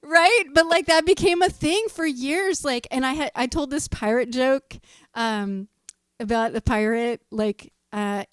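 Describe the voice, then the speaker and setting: A woman's voice: high-pitched, unhurried, no room sound, clean studio sound. A woman musician in a casual interview, chatty and laughing often as she tells corny jokes. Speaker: musician guest.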